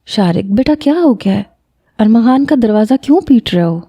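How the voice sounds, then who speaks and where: A woman playing a stern middle-aged mother in a spoken romance story, mellow voice sharpened into a firm scolding tone. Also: on the high side, animated.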